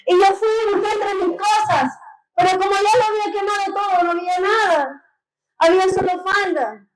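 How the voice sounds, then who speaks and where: A woman's voice: very high voice, steady tone, moderate pace, crowd noise. A young woman from Peru giving an earnest, tearful testimony to a congregation, calling them brothers. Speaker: church member giving testimony. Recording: echoey church hall.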